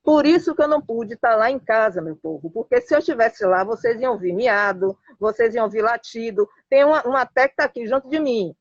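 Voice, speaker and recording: A woman's voice: a little high, animated, brisk, hardly any pauses, dry recording. Outspoken Bahian woman on a lo-fi call. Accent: Bahian Brazilian Portuguese. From Salvador, Brazil. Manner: passionate, outspoken. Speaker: interview guest, football fan. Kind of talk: casual live interview. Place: outdoors near the beach.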